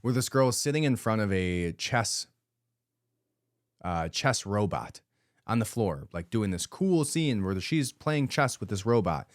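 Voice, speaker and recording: A man's voice: on the low side, lively intonation, measured pace, no room sound, clean studio sound. A man hosting a podcast, giving an emphatic, indignant commentary monologue and repeating his points for emphasis. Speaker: podcast host.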